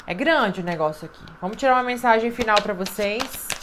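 A woman's voice: on the high side, a little fast, a bit bright, a little hiss or hum. A woman giving an intuitive tarot card reading, talking in an emphatic, repetitive way and often checking in with "né?" and "sabe?". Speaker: tarot reader.

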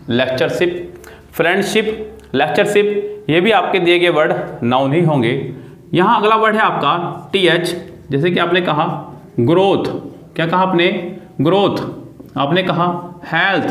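In a classroom-style grammar video, a man with a somewhat high, slightly bright voice spells words out one letter at a time. He repeatedly quizzes his students, and the sound echoes as if in a bare room.

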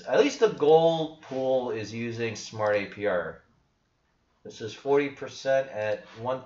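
A man's voice: mid-range voice, darkish tone. A young man hosting a crypto channel, talking casually over a screen share in a blunt, skeptical, rambling way with restarts. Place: small room indoors. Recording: echoey room, dull lo-fi sound.

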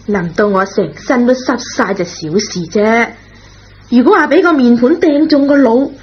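A woman playing a forgiving, gently reproving schoolteacher in a Cantonese radio drama, with a husky, rough voice. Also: a little high, normal speed, slight background noise, close to an everyday voice. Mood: wry, probing. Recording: dull lo-fi old radio recording.

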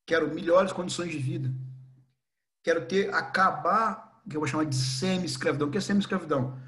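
A Brazilian man with a bright, high voice lectures a history class in a lively, animated way. He jokes with students and slips into voices to act out small scenes. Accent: Brazilian Portuguese. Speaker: history teacher.

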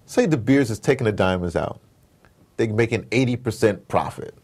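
An interview guest with a fairly low voice talks at a moderate pace, offering passionate, informal takes on politics. His delivery is animated and emphatic, full of slangy phrasing, rhetorical questions, and dialogue he acts out while telling stories.

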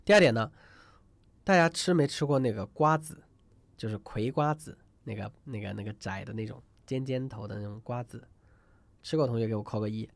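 Gravelly-voiced man teaching singing online. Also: medium pitch, a little fast, no echo. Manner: chatty, asks students to type numbers in chat; rambling with many fillers and restarts. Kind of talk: live online class lecture.

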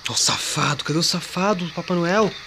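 Excitable male gamer, lively swooping voice, faint hiss behind. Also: high voice, normal speed, gravelly. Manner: excitable, yelps at jump scares, talks to viewers and a friend. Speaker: gamer playing a horror game. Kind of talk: casual gameplay commentary.

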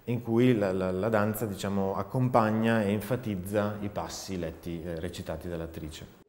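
A man's voice: lowish voice, steady tone, moderate pace, a little mellow. A man in his thirties, a theatre artist, explaining a show in an interview. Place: dark indoor studio. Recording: echoey reverberant room.

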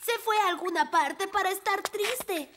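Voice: extremely high pitch, moderate pace, background noise. An actor voicing a friendly, earnest little elf boy in a Latin American Spanish children's cartoon, with a childlike delivery. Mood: eager.

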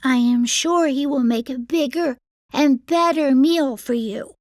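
A woman's voice: sits high, measured pace, a little mellow, no echo, studio quality, pitched above the performer's own voice. A woman voicing a small, cute young billy goat in a sweet, pleading tone.

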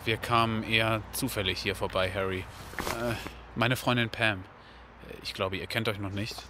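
A man's voice: lowish voice, fairly even intonation, normal speed, noisy background, close to an everyday voice. An actor playing an easygoing, friendly man in an audio drama. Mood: casual.

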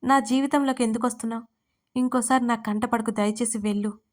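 A woman's voice: a little high, level tone, a little fast, natural voice. A woman voicing a firm, scornful young wife. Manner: blunt, cold, sarcastic.

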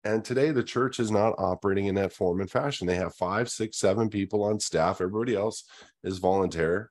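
A man's voice: fairly low pitch, a little fast, darkish tone. A middle-aged man speaking his opinions in a monologue on a video call, earnest, often restarting his words. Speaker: host. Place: indoors, virtual Q&A backdrop. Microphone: webcam video call.

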